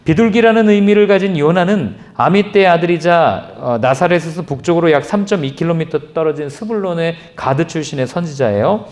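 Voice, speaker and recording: A man, a pastor giving an animated Bible lecture, acting out quoted lines in changing voices. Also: brisk, hardly any pauses. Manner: lively, acts out quoted lines with shifting pitch. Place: church.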